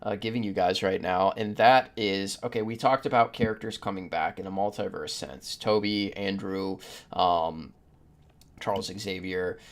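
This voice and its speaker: A man's voice: low voice, normal speed. A man hosting a podcast, chatting informally and giving emphatic opinions. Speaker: podcast host. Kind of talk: casual opinionated panel chat.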